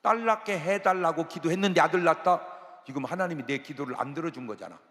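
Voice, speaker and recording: A man's voice: a little high, fast. A man preaching a sermon as a pastor, telling stories with humor and acting out the quotes. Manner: humorous, animated storytelling with acted-out quotes. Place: large church sanctuary. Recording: long reverb of a large church hall.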